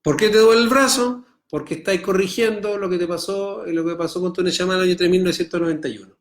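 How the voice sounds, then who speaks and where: A man's voice: high-pitched, fast. A middle-aged man with a Chilean Spanish accent teaching an online Torah class, reading Hebrew text aloud and translating it line by line, often checking in with his students.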